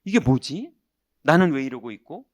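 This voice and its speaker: Lively Korean pastor telling a story. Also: male voice, medium pitch, normal speed, dry recording, studio quality. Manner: animated, acts out quoted voices, shouts punchlines. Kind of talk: sermon with storytelling. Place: church sanctuary.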